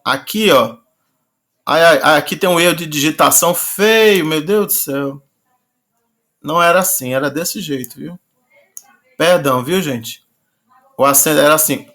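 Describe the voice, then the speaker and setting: A male teacher gives an online class, patiently repeating and slowly drawing out words. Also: fairly high pitch, a bit bright.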